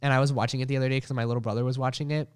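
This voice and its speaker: A man's voice: medium pitch, little pitch movement, rapid-fire, clean tone, no room sound, studio quality. A young man in casual chat with friends about old cartoons, laughing often as he talks.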